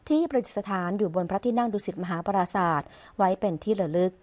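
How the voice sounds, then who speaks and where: A woman reading the royal court news in a measured, formal and even voice as a scripted broadcast voice-over. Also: mid-range voice. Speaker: news reader.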